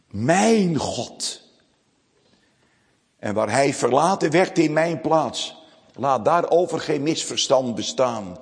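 Slow preacher in a reverberant church. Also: male voice, a little high. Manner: slow, solemn preaching with dramatic pauses. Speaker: pastor. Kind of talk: sermon. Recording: long reverb of a church hall.

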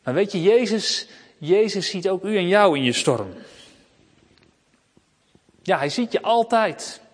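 A man preaching a sermon as pastor, speaking in a lively way and turning directly to the children. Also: sits high, slow, in a large hall.

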